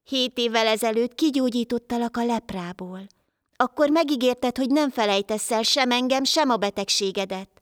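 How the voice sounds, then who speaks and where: Woman voicing calm, patient Life, a wandering healer. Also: a little high, no echo, studio quality, close to an everyday voice. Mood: stern.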